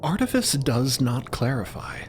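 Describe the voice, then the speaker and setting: A man narrating scripted audio fiction in a deliberate, atmospheric, dramatic style. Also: medium pitch, very animated. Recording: clear background noise, ambience.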